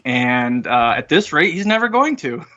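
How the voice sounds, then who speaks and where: Bright, forceful man joking casually. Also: mid-range voice, very animated, normal speed, dull audio. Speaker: player on a game podcast. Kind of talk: casual chat.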